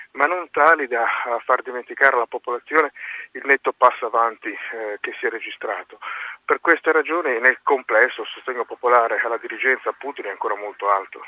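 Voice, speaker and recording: A man gives expert commentary over a thin, narrow telephone line. His voice is middle-pitched and dry. He explains things in a measured way, pausing within phrases. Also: dry recording. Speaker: university lecturer, expert guest. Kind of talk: live phone interview commentary. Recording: narrow tinny phone line.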